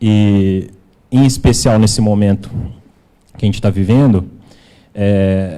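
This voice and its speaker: A man talks at a fairly slow pace. His voice is fairly low, with a dark, mellow tone. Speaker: author, theatre researcher. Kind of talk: book launch talk. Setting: bookshop event with audience. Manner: hesitant, with fillers.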